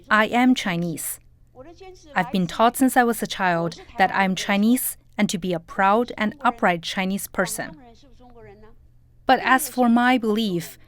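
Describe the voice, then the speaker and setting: A woman reading an English voice-over translation with a steady, even delivery. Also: medium pitch. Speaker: interpreter voice-over.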